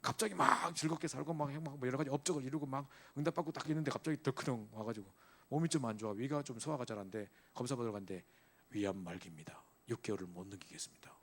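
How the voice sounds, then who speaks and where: A man's voice: medium pitch, racing, a bit bright. A middle-aged male pastor preaching an emphatic sermon to a church youth group, asking rhetorical questions and checking in with his listeners again and again.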